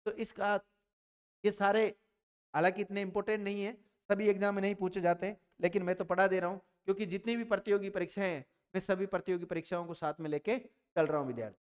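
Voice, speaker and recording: He speaks quickly in a high voice with fairly even intonation, clear and resonant, trailed by long reverb. Teaching grammar, the man talks right to his students and answers the questions he repeats to them.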